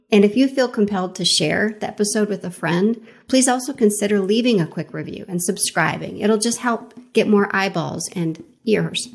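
A woman hosting an interview podcast, reading a bright scripted intro and then chatting with enthusiasm. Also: medium pitch, vocal fry, breathy edge. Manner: upbeat, warmly enthusiastic. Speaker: podcast host.

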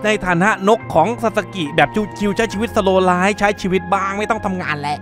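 A man's voice: high voice, quick pace, over music. A man retelling an anime story in a casual, chatty way, with joking asides and exclamations. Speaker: anime recap narrator. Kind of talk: casual spoken anime recap.

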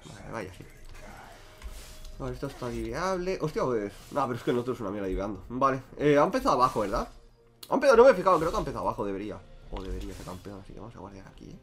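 Young male streamer, quick and lively, crude banter, faint music behind. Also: medium pitch. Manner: crude, joking, talks to chat. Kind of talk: casual gameplay commentary.

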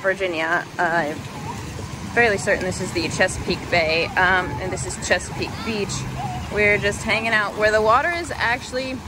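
A woman's voice: mid-range voice, moderate pace. Casual woman vlogging over noisy beach ambience. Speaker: parent vlogging a family outing. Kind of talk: casual handheld vlog chat. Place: outdoors on a sandy beach at the water's edge. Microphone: handheld camera, held by the speaker.

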